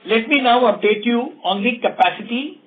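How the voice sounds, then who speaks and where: A man with an Indian accent formally reading out financial results as a company executive, in a measured way, over a telephone conference call. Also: extremely high pitch, a little hiss or hum. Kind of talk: scripted financial results presentation. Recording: tinny narrow phone line.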